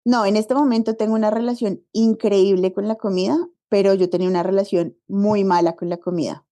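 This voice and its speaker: A Colombian woman appears as a podcast guest and body diversity activist in a casual conversational interview. Her mid-range voice is relaxed and mellow yet brisk, chatty and expressive. She tells stories in an animated way, acting out the dialogue she quotes.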